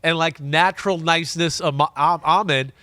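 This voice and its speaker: A man's voice: a little high, steady tone, normal speed, pushed and bright, smooth, no echo. Congested middle-aged man talking football. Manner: emphatic, repeats words and restarts, rhetorical "right?". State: stuffy, congested nose. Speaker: podcast host, former quarterback. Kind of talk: casual sports analysis chat. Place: studio desk.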